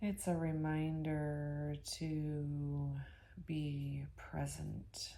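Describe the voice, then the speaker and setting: A woman leading an ASMR guided meditation in a soft, gentle, unhurried voice that slips toward a whisper, with long pauses. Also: low voice, level tone, creaky.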